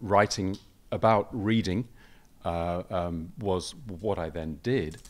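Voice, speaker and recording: Speaking very slowly with a British accent, a man has a very deep, low pitch and ordinary pitch variation. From Britain. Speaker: historian and prize-winning author. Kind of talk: panel discussion. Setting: stage with audience. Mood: reflective, thoughtful. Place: hall. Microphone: handheld.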